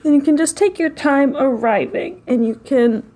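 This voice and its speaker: A woman leading a slow guided meditation in a gentle, unhurried way, with long pauses between phrases. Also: high-pitched.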